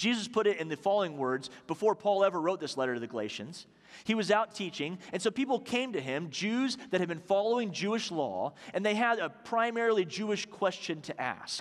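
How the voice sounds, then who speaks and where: Over a very clean, silent background, a man with a high pitch talks at a fairly quick pace with lively intonation and hardly any pauses. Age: 30s. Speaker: student minister. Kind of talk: sermon.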